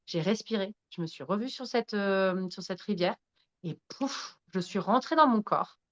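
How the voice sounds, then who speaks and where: A woman's voice: medium pitch, moderate pace, dull audio. A woman guest on a podcast, telling a personal story frankly and with animation. She swears freely, laughs at herself and speaks straight to the listeners. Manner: animated, addresses listeners directly. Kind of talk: candid storytelling in conversation.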